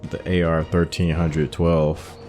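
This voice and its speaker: A man's voice: very deep voice, little pitch movement, takes it slowly, darkish tone, soft background music. A man giving casual, off-the-cuff playthrough commentary as the host of a gaming channel.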